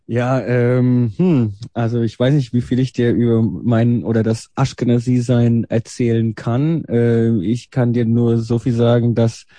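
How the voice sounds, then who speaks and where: A man's voice: mid-range voice, little pitch movement, a little slow, few pauses, warm tone, no room sound. A man in his early thirties from Germany, a radio interview guest who answers hesitantly with many fillers. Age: 30s.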